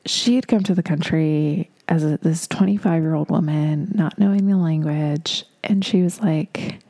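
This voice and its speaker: A woman's voice: sits low, unhurried, dark tone. A young woman who spoke Russian first, hosting her own podcast and rambling chattily about her life. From Moldova. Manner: chatty and rambling, with frequent likes and you-knows. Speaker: podcast host, makeup artist. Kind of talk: casual solo podcast monologue.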